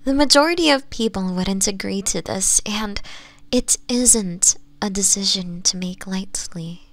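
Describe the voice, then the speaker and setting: A woman voicing a doting, possessive fox-woman mistress in an intimate ASMR roleplay, softly coaxing and often slipping into whispers. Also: mid-range voice, measured pace. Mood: gentle, reassuring. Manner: soft, breathy, coaxing, often dropping into whispers.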